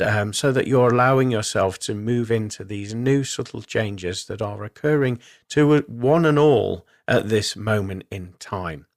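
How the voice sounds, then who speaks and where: Man hosting a spiritual radio show. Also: medium pitch. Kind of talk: spiritual forecast and show sign-off, semi-improvised talk.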